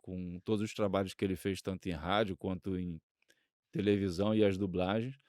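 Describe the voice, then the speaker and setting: A Brazilian man speaks as a guest in a casual interview. His voice is smooth and slightly low, recorded dry. He explains in an informal, searching way. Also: steady tone, brisk, darkish tone, no room sound. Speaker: guest radio researcher.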